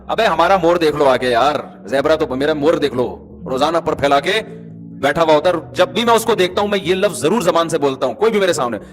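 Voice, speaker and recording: Animated man preaching a lively sermon. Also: on the high side, faint music behind. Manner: animated, rhetorical, teasing the audience. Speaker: Islamic preacher. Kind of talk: conversational sermon.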